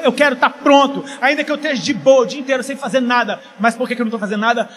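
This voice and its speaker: High-voiced man preaching. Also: slight background noise. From Paraíba, Brazil. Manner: casual, joking, swings from quiet to loud. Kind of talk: sermon.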